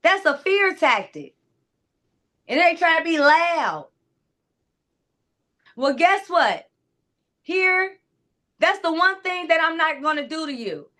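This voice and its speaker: A woman clarity coach with a naturally high-pitched, loud voice, speaking directly to her listeners in a casual, emphatic motivational talk full of asides. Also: very animated, takes it slowly, pauses often.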